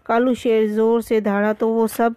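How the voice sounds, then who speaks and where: A woman reading a children's story aloud in a steady way, with small slips. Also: on the high side, a little hiss or hum.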